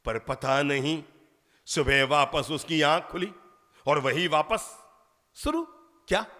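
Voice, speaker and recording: High, bright-voiced man preaching in a hall. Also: slow pace. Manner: animated storytelling with rhetorical questions. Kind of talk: storytelling sermon. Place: large lecture hall. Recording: long hall reverb.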